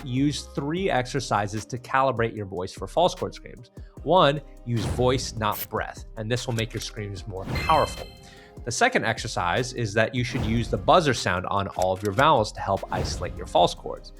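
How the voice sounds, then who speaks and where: A man's voice: mid-range voice, animated, normal speed, fairly bright tone, soft background music. A man working as a vocal coach, giving step-by-step tutorial instruction and speaking directly to the viewer. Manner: demonstrates exercises step by step, direct address.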